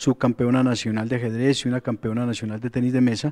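Against a quiet background, a man talks very fast in a medium-pitched voice with a dark, mellow tone. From Colombia, Antioquia (Sonsón); Antioquia. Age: 50s. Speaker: mayoral candidate, social psychologist; candidate. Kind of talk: political debate. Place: studio. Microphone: handheld.

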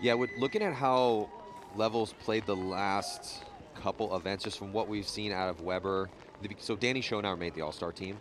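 With an American accent, the speaker sounds animated, using ordinary pitch variation over noticeable background noise. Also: man, fairly low pitch for a man. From San Diego, US. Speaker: paintball commentator. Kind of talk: live sports commentary. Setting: outdoors at event, rainy morning. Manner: animated, fast-paced play-by-play.

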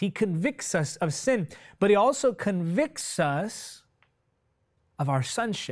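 A man's passionate tone, very wide pitch swings and fairly slow pace, over a quiet background. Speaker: preacher. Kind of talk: sermon. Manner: passionate, urgent preaching; direct exhortation to the audience. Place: studio. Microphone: lapel.

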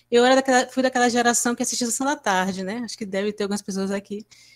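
The speech shows ordinary pitch variation over a quiet background. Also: woman. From Salvador, Bahia, Brazil; Bahia, Brazil. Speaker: art director and film lecturer; film lecturer. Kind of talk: online panel presentation. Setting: video call. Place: home room. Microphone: webcam.

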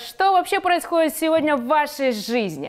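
Her pitch high, a woman talks at a moderate pace. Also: quiet background. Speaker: TV show host. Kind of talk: casual chat. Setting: studio. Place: studio. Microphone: lapel.

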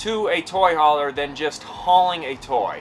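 With music playing underneath, the speaking unfolds at a moderate pace. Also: man. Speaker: RV family vlogger. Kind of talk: casual vlog chat. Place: home room.

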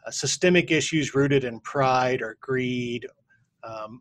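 A man speaks at a fairly slow pace with medium pitch. His intonation stays fairly even. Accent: American. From Texas. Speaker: missions organization president. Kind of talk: interview.

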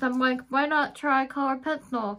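In a raised, projected voice with a bright, sharp tone, a woman speaks at a moderate pace against a quiet background. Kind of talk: casual vlog chat. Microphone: phone near.

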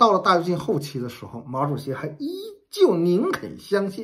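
Very wide pitch swings from a man at a moderate pace, over a quiet background. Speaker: history commentator. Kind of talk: commentary. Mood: critical, indignant. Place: home room. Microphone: phone near.

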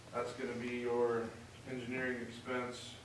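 A man's voice carries audible room echo and noticeable background noise. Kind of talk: budget presentation. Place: meeting room.

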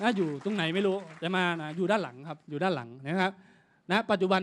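On a very clean recording with a silent background, a man with a high pitch sounds animated, with ordinary pitch variation. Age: 30s. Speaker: direct sales businessman. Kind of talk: motivational talk.

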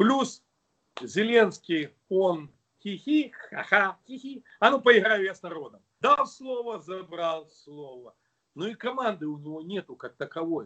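In a raised, projected voice with a bright, sharp tone, a man speaks very slowly at a high pitch, his intonation lively and his loudness swinging widely, against a quiet background. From Ukraine, Kherson region; Ukraine. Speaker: politician. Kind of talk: interview. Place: home room. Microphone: video call.

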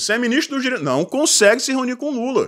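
Against a quiet background, a man with an extremely high pitch speaks in an animated tone. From Brazil. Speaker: political commentator. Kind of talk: political commentary monologue. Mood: sarcastic, critical. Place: home room. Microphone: studio mic.

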